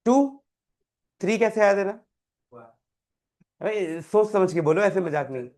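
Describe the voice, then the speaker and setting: A man's voice: high-pitched, lively intonation, measured pace, a little mellow. A man teaching a chemistry class, quizzing students by name and repeating key terms. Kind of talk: live classroom tutoring.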